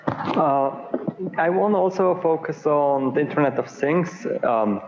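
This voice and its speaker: A man's voice: a little high, a little slow, lo-fi sound, background noise. A man in a conference audience putting a question to the panel.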